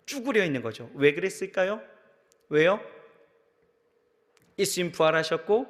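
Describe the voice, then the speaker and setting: A male pastor delivering a sermon, asking the congregation questions and swinging between loud emphasis and quiet, hushed lines. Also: high-pitched. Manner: dynamic preaching with rhetorical questions and sudden drops to quiet. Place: large church sanctuary. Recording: long church reverb.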